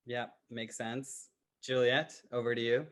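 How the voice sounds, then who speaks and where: A man hosts a discussion in a mid-pitched, very bright voice. His style is conversational and affirming, and he often thinks aloud as he goes. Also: little pitch movement, unhurried. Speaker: roundtable facilitator. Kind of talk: conversational hosting.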